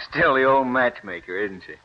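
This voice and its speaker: A man's voice: medium pitch, lively intonation, unhurried, close to an everyday voice. An actor playing an earnest, stubborn young man who gives up his university job to farm, in a 1940s radio play. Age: young adult. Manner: earnest and intense. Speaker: young scientist turned farmer. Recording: muffled old radio recording.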